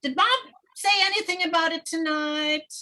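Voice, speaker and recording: A woman playing an anxious, prudish small-town mother who chatters and nags excitably in a dramatic screenplay reading. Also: very high-pitched, normal speed. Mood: excited, prying. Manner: excitable, nagging, emphatic. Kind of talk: dramatic screenplay table read.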